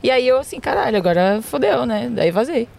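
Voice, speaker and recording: A woman's voice: a little high, sing-song, fairly quick, gravelly, a little mellow, slight background noise. A woman from Florianópolis, a podcast guest telling her story frankly, with slang and swearing. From Florianópolis, Brazil. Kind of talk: casual storytelling. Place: outdoors near a beach.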